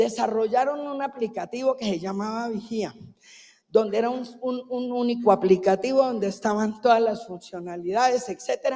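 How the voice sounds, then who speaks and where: Here is a woman with a normal speaking voice. Her pitch is fairly high, with ordinary pitch variation. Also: moderate pace. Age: 60s. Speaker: government official. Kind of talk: conference talk.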